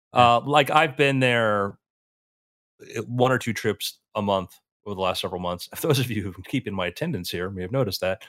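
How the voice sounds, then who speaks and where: In an unremarkable speaking voice, a man talks at a fairly quick pace with a fairly low pitch, lively intonation and big swings in loudness. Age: 40s. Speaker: podcast host, tech worker. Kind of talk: casual chat.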